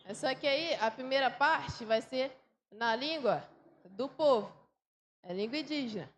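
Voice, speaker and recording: A high-voiced Brazilian woman leads a congregation through a new song, chanting and clapping the rhythm as she teaches. She speaks slowly, in an echoey church with faint background noise. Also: animated. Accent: Brazilian Portuguese. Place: church sanctuary.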